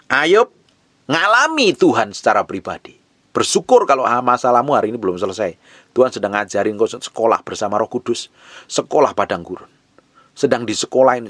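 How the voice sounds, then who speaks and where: A man preaches a sermon as pastor, blunt and scolding in an emphatic way. His voice sits at a middle pitch for a man. The recording is dry, with no room echo. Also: fairly bright tone.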